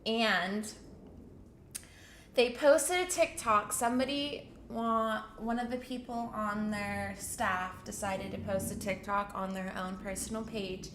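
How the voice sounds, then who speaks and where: A woman's voice: medium pitch, slow pace, a bit bright. A woman co-hosting a casual live morning show, telling a news story in a chatty way. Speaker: co-host. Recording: echoey room with faint noise.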